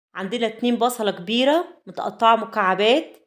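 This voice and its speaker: Speaking at a fairly slow pace, a woman with an Egyptian accent uses a fairly high pitch with ordinary variation. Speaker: cooking channel host. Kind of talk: cooking tutorial.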